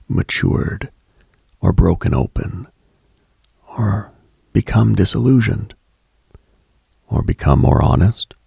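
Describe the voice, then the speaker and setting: A man hosting a late-night radio show, giving a slow, contemplative monologue with halting pauses in a husky, gravelly voice, close on the mic. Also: lowish voice, a little mellow, no room sound. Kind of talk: reflective late-night spiritual monologue, ASMR-like.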